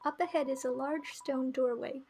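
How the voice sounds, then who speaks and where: A woman's voice: high voice, fairly even intonation, moderate pace, gravelly, warm tone, a little hiss or hum. A woman game streamer reading narration aloud and chatting casually as she plays. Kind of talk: live read-aloud narration with casual commentary. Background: faint music.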